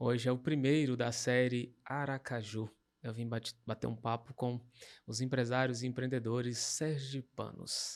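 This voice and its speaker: A man talks at a fairly slow pace in a medium pitch with a monotone, flat intonation. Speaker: podcast host. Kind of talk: podcast interview host.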